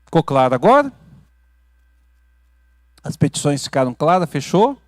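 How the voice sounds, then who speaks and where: A Brazilian man preaching a teaching sermon as pastor, building to loud emphatic peaks and dropping to quiet asides, often checking in with his listeners. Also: a little high, big pitch swings, normal speed, dry recording, studio quality. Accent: Brazilian Portuguese. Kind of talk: teaching sermon with questions to the congregation. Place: church hall.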